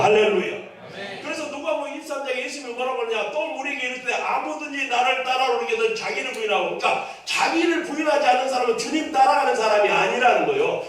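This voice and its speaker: A man with a Jeolla Korean accent preaches an emphatic sermon in a very high voice. He repeats his key points and draws amens from the congregation. His voice comes from well away from the mic and rings through a very echoey church hall. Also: a bit bright, far from the mic. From Jeolla, South Korea. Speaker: pastor. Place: church sanctuary.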